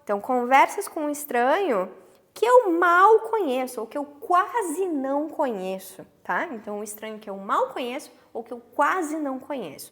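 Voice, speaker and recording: A woman with a Brazilian Portuguese accent teaches English with a bright, fairly high voice that swings up and down a lot. She says her example sentences slowly and drawn out, then hurries through the explanation. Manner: animated, stretches English examples slowly, frequent "tá?" check-ins. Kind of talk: lively explanatory lesson.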